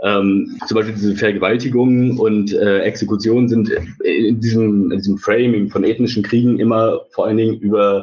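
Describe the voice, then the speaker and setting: In an ordinary speaking voice, a man talks at a fairly quick pace and a medium pitch. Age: 20s. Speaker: master's student in history. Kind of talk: panel discussion.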